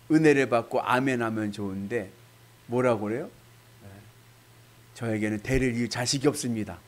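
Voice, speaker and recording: A middle-aged male pastor preaching a sermon, acting out quoted dialogue in shifting voices. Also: medium pitch.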